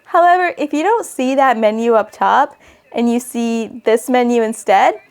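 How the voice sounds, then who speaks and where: A woman's voice: a little high, clean tone. A woman host presenting a tutorial in an instructive, conversational way, as an online educator. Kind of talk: tutorial narration to camera.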